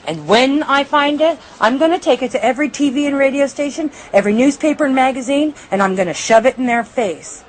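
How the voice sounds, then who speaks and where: A woman playing an indignant, defiant reporter with a husky voice and an emphatic, combative delivery in an audio drama. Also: sits high, fairly quick, few pauses, slight background noise, close to an everyday voice. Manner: emphatic, combative, rhetorical questioning. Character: indignant, defiant female news reporter fighting for the truth.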